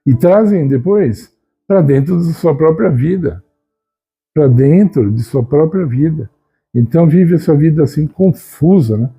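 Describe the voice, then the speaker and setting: A man giving an unhurried, conversational spiritual talk, often tagging his sentences with a questioning "né?". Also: a little high, expressive, mellow, breathy edge, faint music behind. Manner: unhurried, conversational, frequent "né?" tags. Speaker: Christian video host. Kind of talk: reflective spoken teaching.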